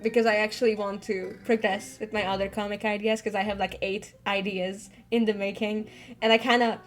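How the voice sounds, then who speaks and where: A woman's voice: mid-range voice, little pitch movement, brisk. A woman webcomic artist chatting casually as she answers fan comments, laughing often and swearing freely. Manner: giggly, chatty, laughs often between sentences. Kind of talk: casual Q&A chat.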